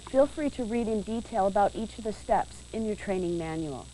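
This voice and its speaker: A woman reading a scripted instructional narration for a training video in a clear, measured, instructive way, heard from a worn VHS tape copy. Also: mid-range voice, expressive, warm tone, a little hiss or hum, low-quality recording.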